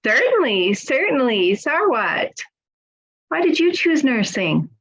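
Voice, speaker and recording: A middle-aged woman, a nursing school director, moderating a webinar panel with a warm, encouraging way of asking questions. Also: sits high, big pitch swings, slow pace, husky. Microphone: video call. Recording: slightly dull video-call audio.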